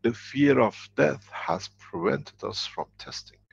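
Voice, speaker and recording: A man's voice: medium pitch, takes it slowly, gravelly, husky. A man giving a workshop lecture, speaking emphatically and repeating his key phrases. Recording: dull lo-fi recording.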